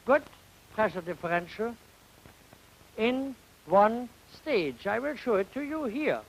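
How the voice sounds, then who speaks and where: A man explains a science demonstration at a slow, careful pace. He phrases things haltingly, like a lecturer thinking aloud. The sound is a noisy old 1950 educational film soundtrack. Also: high-pitched. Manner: halting, deliberate phrasing with rhetorical questions.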